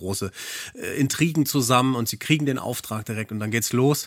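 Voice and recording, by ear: A man talks at a medium pitch, which varies an ordinary amount.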